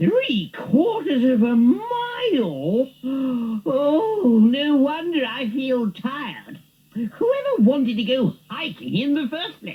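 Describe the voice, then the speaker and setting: A put-on character voice, high-pitched and very slow, with hardly any pauses. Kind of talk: upper-class English. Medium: read story. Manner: theatrical, excitable.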